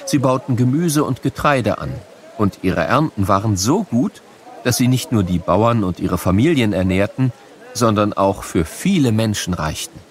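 A man narrating a scripted educational programme for children in an explanatory, measured storytelling manner. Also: on the low side, lively intonation.

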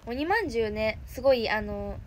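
Lively high-voiced Kansai woman. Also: brisk. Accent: Kansai Japanese. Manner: chatty, thanks viewers often. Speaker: idol livestreamer reading comments. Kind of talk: casual livestream chat. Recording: noisy background.

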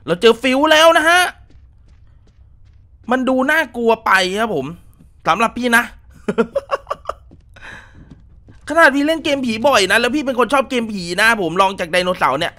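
A man hosting a gaming video, giving excitable, jumpy commentary while playing a horror game. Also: extremely high pitch, measured pace, long pauses.

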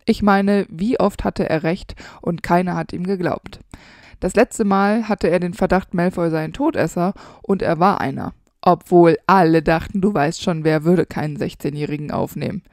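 Here is a loyal, easygoing teenage boy wizard, as a woman reads him aloud. He talks in a relaxed, reassuring way, sitting slightly low. The sound is dry and close. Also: moderate pace, no room sound, close to an everyday voice. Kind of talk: reading aloud from fan fiction.

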